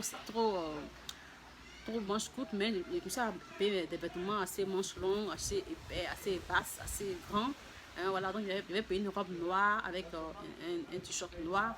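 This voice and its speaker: A woman talks to her viewers in a relaxed, personal vlog at an ordinary middle pitch. Her speech is halting: she repeats words and restarts her sentences often. A faint background hum sits under her voice. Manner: voices other people's lines in a raised, lively tone. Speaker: vlogger. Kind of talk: casual personal testimony to viewers.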